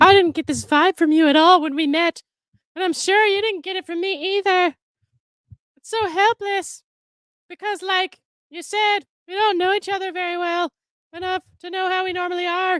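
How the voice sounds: Putting on a squeaky character voice at an extremely high pitch, a woman speaks at a moderate pace with fairly even intonation, the sound dry and close with no echo.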